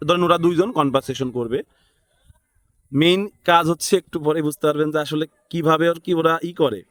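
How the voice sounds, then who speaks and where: A man's voice: on the high side, fairly even intonation, a little fast, no room sound, clean studio sound. A man with a Bangladeshi accent giving a casual, unscripted step-by-step tutorial, thinking aloud and often checking in with short tag questions. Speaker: tutorial instructor.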